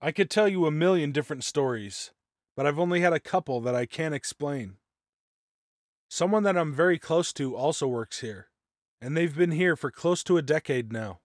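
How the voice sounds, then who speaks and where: Higher-voiced man narrating, close and dry. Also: expressive, normal speed, no echo. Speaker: guest narrator of scary stories. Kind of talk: scripted first-person horror story narration.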